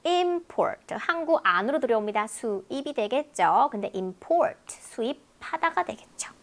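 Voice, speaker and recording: A woman teaching English listening in a lecture, explaining word pairs in a lively, talkative way. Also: on the high side, moderate pace.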